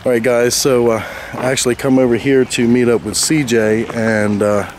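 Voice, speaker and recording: A man's voice: mid-range voice, level tone, normal speed, darkish tone. A man in his forties exploring an abandoned motel, talking to a handheld camera at arm's length with lots of fillers. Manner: rambling with many fillers. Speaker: urban explorer vlogger. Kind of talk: casual vlog walkthrough. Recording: outdoor noise behind.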